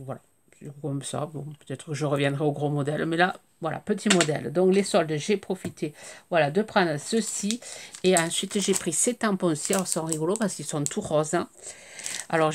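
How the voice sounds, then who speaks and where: A French woman with a slightly hoarse voice, chatting casually and hesitantly about her crafting purchases, full of fillers and restarts. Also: low voice, slight background noise. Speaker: crafting YouTuber. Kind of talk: casual haul show-and-tell.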